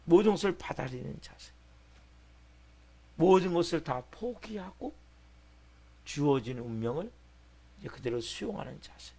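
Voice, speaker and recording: A man preaching a sermon in a fairly high, gravelly voice. He acts out the voices of the people he describes, swinging from loud outbursts to hushed asides. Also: normal speed, pauses often. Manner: animated preaching, acting out patients' voices. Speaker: pastor.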